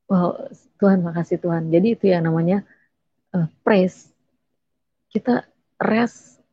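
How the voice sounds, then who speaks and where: A woman's voice: mid-range voice, husky, no room sound, dull audio. A middle-aged woman and church singer telling her personal testimony in casual talk, repeating phrases and livening up when she quotes others.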